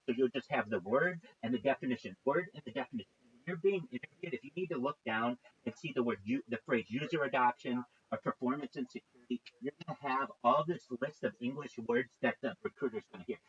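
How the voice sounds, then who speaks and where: A man's voice: mid-range voice, a bit bright, slightly rough, lo-fi sound. A man coaching a caller over a call, full of encouragement and praise. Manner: encouraging, praising, slow and reassuring. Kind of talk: casual video call coaching.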